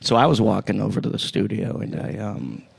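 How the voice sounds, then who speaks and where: American man, podcast guest, gravelly and low, casual conversational delivery. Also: animated, a little fast. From Minneapolis, United States. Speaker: podcast guest and video editor. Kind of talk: casual chat. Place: podcast studio.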